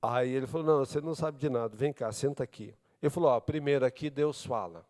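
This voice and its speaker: A Brazilian man preaching a sermon, telling his own story and acting out the dialogue, swinging between loud and hushed speech. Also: medium pitch, fast, big-room sound. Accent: Brazilian Portuguese. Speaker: pastor. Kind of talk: testimony sermon. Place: church service.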